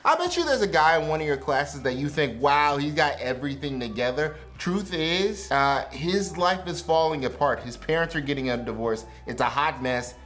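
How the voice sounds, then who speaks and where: Youth pastor, male, chatty and slangy, very lively intonation, faint music bed. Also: a little high, normal speed, few pauses. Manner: conversational, joking, slangy. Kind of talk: casual sermon to youth.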